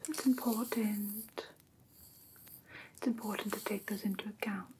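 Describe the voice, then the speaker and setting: A woman playing a gentle vampire teacher in a whispered ASMR roleplay lesson, patiently instructing in a breathy whisper close to the microphone. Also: medium pitch, steady tone, a little slow, background noise, natural voice. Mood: gentle, instructive. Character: gentle female vampire teacher of human pet care. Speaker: host of a roleplay class, as instructor.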